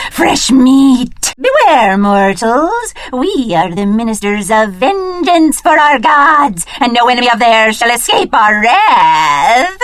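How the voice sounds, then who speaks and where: A woman's voice: sits high, fairly bright tone, no echo, exaggerated voice. A woman voicing a vengeful, taloned female creature in a video game, theatrical and menacing toward mortals. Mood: hungry. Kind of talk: scripted video game monster acting.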